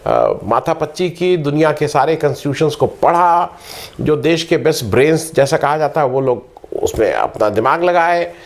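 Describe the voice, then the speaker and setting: A man's voice: fairly high pitch, lively intonation, moderate pace. A middle-aged man giving a lecturing talk, reeling off statistics with fillers and restarts. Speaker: political commentator. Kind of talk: explanatory talk to camera.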